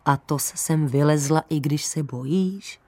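A woman voicing a friendly, talkative adult male chimney sweep who speaks calmly and kindly. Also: sits low, dry recording.

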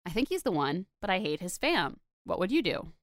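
A young woman from Connecticut, co-hosting a podcast in a chatty, animated way with lots of filler words. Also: on the low side, brisk, no room sound, clean studio sound. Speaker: podcast co-host. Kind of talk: casual chat.

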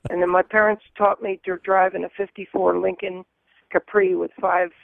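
A man in his seventies with a high voice, calling in to a radio show and rambling enthusiastically about cars. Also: little pitch movement, moderate pace, vocal fry, no echo. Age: 70s. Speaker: caller. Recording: tinny phone line.

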